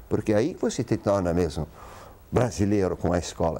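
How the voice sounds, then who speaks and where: Talking at a fairly quick pace, a man with a German accent has a dark, mellow tone. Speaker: Lutheran pastor, professor and musician. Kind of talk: interview.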